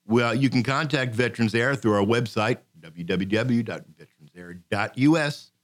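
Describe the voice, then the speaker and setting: Man, radio host, joking, chatty, mid pitch. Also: normal speed, no echo. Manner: joking, chatty, stumbles over words. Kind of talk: casual radio talk show banter.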